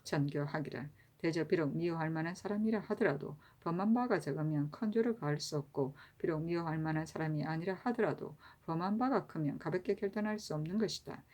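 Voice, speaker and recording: A woman reading historical court annals aloud in a steady, even-paced, formal manner. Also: sits low, brisk, hardly any pauses. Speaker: reader of historical records.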